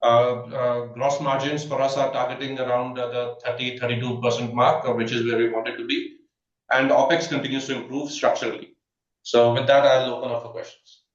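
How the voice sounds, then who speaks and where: A male executive walks through company results on an earnings call, stopping often on "uh" and starting sentences over. His voice sits at an ordinary middle pitch. He sounds distant and roomy, as if picked up from across a room, and the dull, muffled line takes the edge off his words. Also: little pitch movement. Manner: halting, many filler "uh"s and restarts. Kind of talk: earnings conference call commentary.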